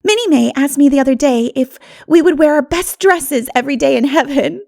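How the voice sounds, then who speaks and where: Lady doing a gossipy young country girl from a classic novel, bright eager teller, pitched way up. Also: fairly quick, gravelly. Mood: amused. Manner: animated, gossipy. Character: lively, chatty country girl telling local tales.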